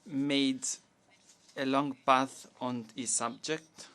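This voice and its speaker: Woman giving a formal speech, clean smooth voice, halting bits here and there. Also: extremely low pitch, steady tone, fairly bright tone. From Portugal. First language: Portuguese. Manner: measured, halting delivery with restarts. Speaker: government minister giving a statement. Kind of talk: formal conference speech in a second language.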